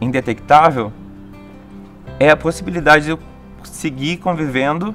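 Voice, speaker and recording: Faint music plays in the background as a man speaks fairly slowly at a fairly high pitch. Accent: southern Brazilian. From Rio Grande do Sul, Brazil. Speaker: campaign testimonial speaker. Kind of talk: interview answer. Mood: earnest, emotional, reflective. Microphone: lapel.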